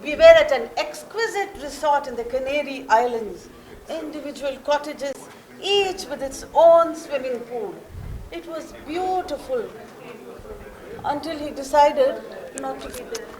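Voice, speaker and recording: A woman's voice: sits high, animated, measured pace, darkish tone, rough recording. A woman in a staged comic play reading, playing a prickly jilted office worker who tries to keep order, exasperated and emphatic. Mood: wistful, hurt. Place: live stage at a literature festival.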